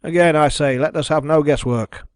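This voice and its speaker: A man's voice: on the high side, moderate pace, clear, resonant tone, no room sound, pitched above the performer's own voice, natural voice. A man voicing a sceptical, exasperated policeman who bluntly demands facts in an audiobook mystery. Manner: blunt, challenging.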